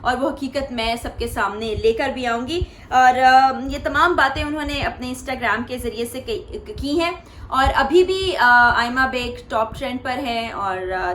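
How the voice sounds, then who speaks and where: A woman's voice: fairly high pitch, fairly bright tone. A woman with a Pakistani accent recapping celebrity news for viewers in an explanatory way, often paraphrasing what others said. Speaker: host commenting on celebrity news. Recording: echoey room with faint background noise.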